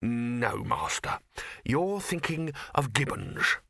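A man acts out an anxious, obsequious college official in a comic fantasy storybook. He is careful and placating, with hesitant stammers under forced politeness. His voice is bright, dry and close, moving a lot in pitch. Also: very animated, slow pace, gravelly, no echo, heavily acted. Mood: nervous, careful. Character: nervous, placating, deferential male university bursar at a wizards' college.

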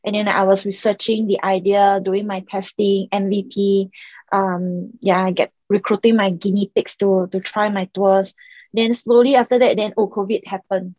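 A woman's voice: mid-range voice, flat delivery, moderate pace, darkish tone, no room sound, highs cut off. A young Singaporean woman, a startup founder, chatting casually as a podcast guest and leaning on "like" and "um". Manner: chatty, many "like" and "um" fillers.

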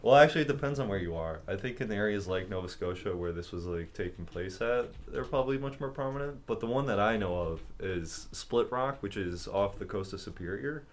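A man with a very low-pitched voice in a relaxed, casual conversation. He thinks aloud as he talks and fills his sentences with "like" and "I feel like". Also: brisk, hardly any pauses. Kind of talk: casual chat.

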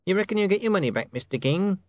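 A man doing a high-pitched, deferential clerk. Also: animated, quick pace, dry recording. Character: deferential, eager, careful male office clerk.

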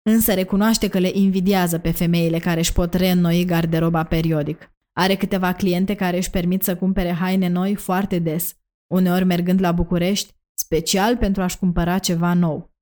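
A woman narrating an academic essay in a measured, even delivery. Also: on the low side. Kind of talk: reading an academic essay aloud.

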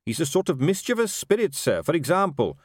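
A man's voice: fairly high pitch, very animated, fairly quick, no room sound, studio quality, pitched above the performer's own voice. A man voicing an earnest, polite and honest young watch captain in a story, respectful, firm and a little wooden.

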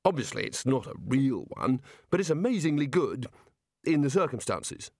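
A man's voice: medium pitch, sing-song, normal speed, a little mellow, no echo, clean studio sound. A man voicing a hapless, nervous wizard in an audiobook, hesitant and defensive in manner. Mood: apologetic. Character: hapless, nervous male wizard, evasive and apologetic.

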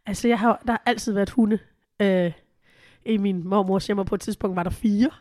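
A woman's voice: mid-range voice, steady tone, darkish tone, dry recording, studio quality. Giggly woman podcast host with a cold. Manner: giggly, hesitant with many fillers. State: has a cold, voice changed. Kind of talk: casual chat. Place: living room at home.

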